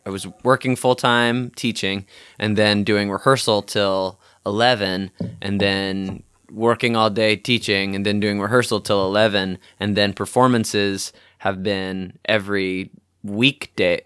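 Man, somewhat low pitch, dry recording, podcast co-host, casual chat, self-deprecating banter. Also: steady tone, measured pace, a bit bright, clear, resonant tone, no room sound.

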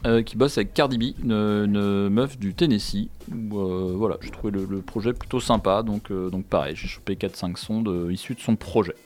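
A man's voice: lowish voice, moderate pace, few pauses, a little mellow. A man co-hosting a student radio music show, bantering playfully and explaining tracks, on a studio microphone. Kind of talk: casual radio chat.

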